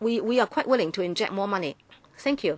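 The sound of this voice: A woman talks at a fairly quick pace with lively intonation.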